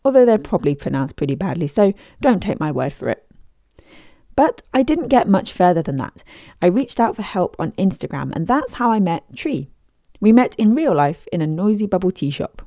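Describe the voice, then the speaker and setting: A woman hosting a podcast, reading scripted narration in a lively storytelling delivery. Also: mid-range voice, normal speed, no echo, clean studio sound. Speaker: podcast host.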